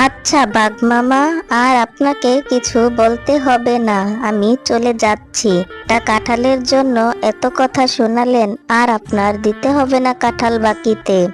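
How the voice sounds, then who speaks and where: A woman's voice: a little high, fairly even intonation, measured pace, faint music behind, lightly acted. A woman voicing a poor widowed mother fox in a cartoon, who scolds her daughter and begs a shopkeeper for credit. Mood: hurt. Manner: scolding yet pleading. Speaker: narrator as well. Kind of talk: cartoon voice acting.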